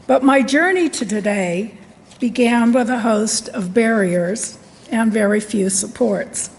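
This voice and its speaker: A woman in her sixties giving a formal, deliberate award address at a podium microphone in a convention hall. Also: medium pitch, gravelly, darkish tone. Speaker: lecturer.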